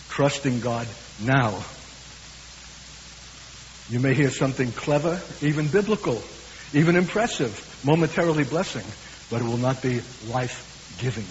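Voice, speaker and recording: A man with a Brooklyn accent preaching a sermon, earnest and emphatic, slowing down for weighty lines. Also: mid-range voice. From USA. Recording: hissy, dull recording in a reverberant hall.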